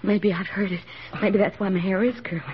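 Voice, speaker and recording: An actress playing a steady, plain-spoken army nurse lieutenant who narrates and soothes wounded men in a 1940s radio drama. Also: female voice, medium pitch, a little fast, a little hiss or hum, natural voice. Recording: dull old radio broadcast with music.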